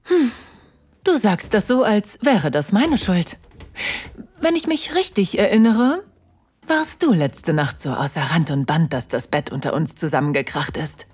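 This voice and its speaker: A woman playing a breathy, teasing lover. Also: lowish voice, big pitch swings, darkish tone, full character voice. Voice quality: breathy, often whispered. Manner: teasing, slow and sensual. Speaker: first-person narrator and lover. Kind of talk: erotic audio drama.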